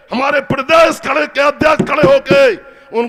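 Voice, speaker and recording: There is noticeable background noise as a man speaks at an extremely high pitch. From Madhya Pradesh, Chanderi area. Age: 60s. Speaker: politician, former legislator. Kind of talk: political rally speech. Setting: stage with audience. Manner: loud, fiery.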